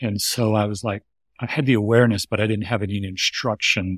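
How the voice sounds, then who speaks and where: Here is a man with an ordinary speaking voice. He has a fairly low pitch. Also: dry, close sound with no echo. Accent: American. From Texas, Houston suburb. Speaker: author. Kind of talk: interview. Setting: remote call.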